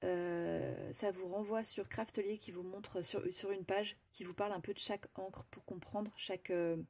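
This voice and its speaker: A woman's voice: medium pitch, steady tone, moderate pace, a little mellow. A woman presenting a craft-supply haul in a chatty, hesitant way, with frequent fillers and restarts. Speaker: craft vlogger.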